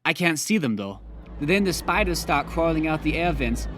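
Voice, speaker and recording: A man in his thirties with a Singaporean accent, calmly recounting a personal experience as a guest. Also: on the high side, moderate pace, a little hiss or hum. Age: 30s. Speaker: guest storyteller.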